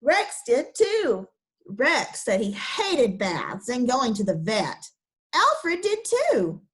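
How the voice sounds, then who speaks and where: A young woman teacher reading a children's picture book aloud and then talking through its lesson with her class. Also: low-quality recording. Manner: slow, expressive storybook reading with lively pitch.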